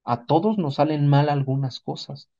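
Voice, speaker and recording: Pitched a little high yet dark in tone, a Mexican-accented man speaks at normal speed over dull audio. As a psychotherapist, he delivers a didactic explanatory talk with acted examples, regularly checking in through short rhetorical questions.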